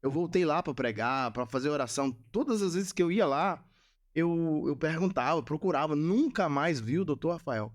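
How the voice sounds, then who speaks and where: This is a man with a slightly higher-than-usual voice, a guest on a podcast. He is a Catholic missionary telling a personal testimony, and he speaks earnestly, circling back to the same words to stress them. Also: animated, normal speed. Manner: earnest storyteller who repeats phrases for emphasis.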